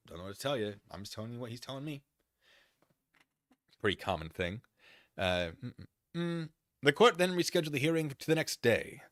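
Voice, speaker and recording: An American man with a very animated, swooping delivery and a forceful, bright tone. He reads formal text aloud with theatrical flair and wanders into wry, casual commentary. The sound is close and dry. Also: medium pitch, dry recording. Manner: animated, wry, digressive, easily excited. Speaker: online streamer reading a document with commentary. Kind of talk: dramatic document reading with casual off-the-cuff asides.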